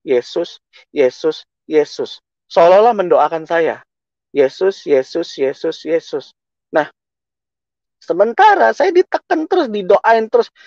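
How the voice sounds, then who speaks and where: A young man giving a personal testimony in a lively storytelling way, acting out quoted dialogue. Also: sits high, no echo, muffled recording. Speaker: testimony speaker.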